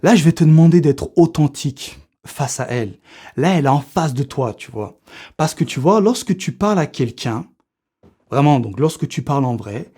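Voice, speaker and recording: A man's voice: mid-range voice, mellow, husky. A man giving comic seduction advice straight to the viewer, slangy and mock-serious, talking in one unbroken take. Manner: slangy, addresses viewer as buddy; unscripted one-take delivery, checks notes live. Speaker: comedic seduction-advice youtuber. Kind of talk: mock-serious coaching monologue.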